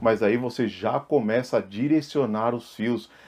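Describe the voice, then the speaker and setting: This is a man with a Brazilian accent. His pitch varies in an ordinary way. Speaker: beard care YouTuber. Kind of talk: Q&A tutorial vlog. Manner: animated. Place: home room.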